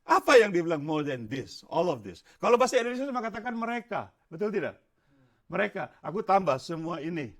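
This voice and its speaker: An older pastor preaches in a church with a high, lively voice that leaps up and down. He keeps tossing questions to the congregation and drops English phrases into his sermon. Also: fairly quick. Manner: animated preaching, quizzing the congregation.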